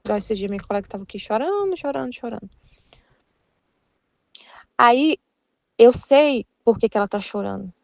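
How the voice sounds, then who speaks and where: A woman's voice: medium pitch, expressive, brisk, creaky, no room sound. A woman with a Brazilian Portuguese accent leading a Catholic study in an earnest, conversational, repetitive way. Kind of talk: casual religious teaching.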